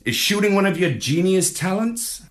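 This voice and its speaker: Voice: medium pitch, big pitch swings, normal speed, pitched above the performer's own voice, natural voice. A reader as a boastful space adventurer. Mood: explaining. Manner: cheerful and boastful. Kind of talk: storybook read-aloud.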